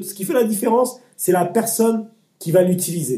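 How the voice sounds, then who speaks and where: A man with a high pitch and a dark, mellow tone speaks with lively intonation. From Paris suburbs, France. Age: 30s. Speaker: YouTuber, dating and masculinity coach. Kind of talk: casual interview chat.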